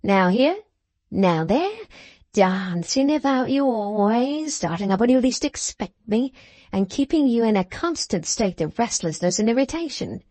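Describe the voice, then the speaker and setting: A woman voicing a malicious, gleeful dwarf husband from a storybook, taunting with drawn-out, emphatic words. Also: fairly high pitch, expressive, darkish tone, dry recording. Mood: mocking, spiteful.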